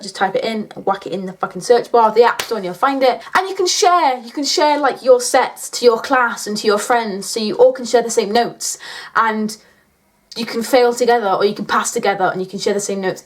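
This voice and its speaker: Young British woman, higher-pitched, chatty. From United Kingdom. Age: late teens. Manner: blunt, sweary, jokey. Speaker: YouTuber answering viewer questions. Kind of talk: casual chatty Q&A vlog.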